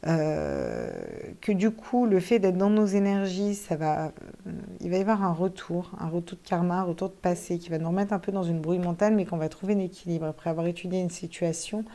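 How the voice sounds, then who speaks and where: A woman's voice: lowish voice, animated, brisk, mellow. A woman giving a casual tarot reading to viewers, chatty and thinking aloud, with some casual swearing. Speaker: tarot card reader.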